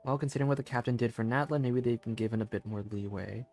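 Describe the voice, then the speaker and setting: A man's voice: mid-range voice, fast talker, a little mellow. A man giving casual, rambling live commentary as a game streamer, hesitant and often repeating phrases. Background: game music.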